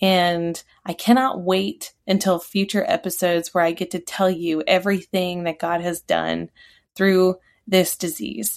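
On a very clean recording with a silent background, a woman with an American accent speaks at a moderate pace in a medium pitch. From Maryland, US. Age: 30s. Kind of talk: casual chat. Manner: animated.

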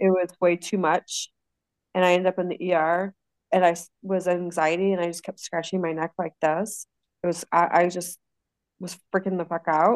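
Recorded with a dry, close sound and no echo, a woman with a fairly low voice and monotone, flat intonation speaks at a moderate pace, leaving long, frequent pauses. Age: 40s. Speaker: podcast co-host. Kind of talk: casual chat.

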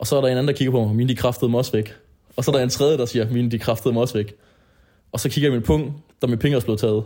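A man rattles along at a very fast pace. His tone is dark and mellow, his intonation fairly even. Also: medium pitch for a man. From Denmark, North Jutland (Aalborg). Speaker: Twitch streamer. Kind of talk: casual chat. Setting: at his apartment.

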